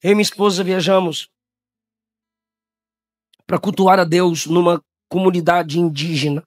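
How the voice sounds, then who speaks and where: A man from Brazil preaching a Pentecostal sermon, shouting in high bursts and then dropping to low, quiet tones. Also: fairly even intonation, measured pace, no echo, studio quality, soft background music.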